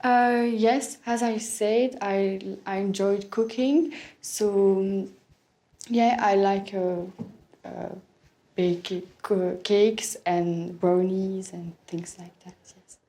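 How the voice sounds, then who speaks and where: A woman's voice: mid-range voice, steady tone, drawn-out words, dark tone. A young woman from Belgium, hesitantly answering exam questions in simple English, searching for words. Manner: hesitant, searching for words, non-native phrasing. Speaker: English speaking test candidate.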